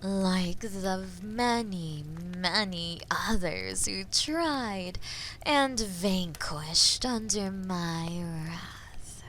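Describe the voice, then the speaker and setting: A woman voicing a haughty, menacing female dragon in a fantasy audio roleplay, taunting and condescending, with a breathy voice that often drops toward a whisper. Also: mid-range voice, fairly bright tone, slight background noise. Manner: taunting, condescending, theatrically slow and deliberate. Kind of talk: scripted fantasy audio roleplay addressed to the listener.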